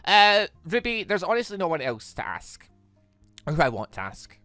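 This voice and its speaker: A man voicing an earnest, patient young man in a visual novel, hesitant and gently coaxing. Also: sits high, big pitch swings, moderate pace, dry recording, faint music behind, heavily acted. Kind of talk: visual novel character reading.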